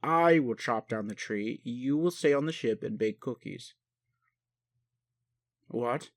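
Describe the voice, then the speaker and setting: A man playing a bemused, gentle and naive male alien caregiver in an intimate roleplay audio, speaking hesitantly and haltingly. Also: mid-range voice, dry recording, studio quality. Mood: reluctant, resigned. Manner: hesitant, puzzled, halting, sighing. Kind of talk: intimate one-sided roleplay audio acting.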